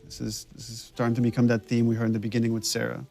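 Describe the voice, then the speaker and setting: A man of average pitch comments on his own video game's cutscenes as their writer and director. He talks in a chatty, halting way, with self-deprecating asides. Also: monotone, gravelly, a little mellow, faint music behind. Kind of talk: developer commentary.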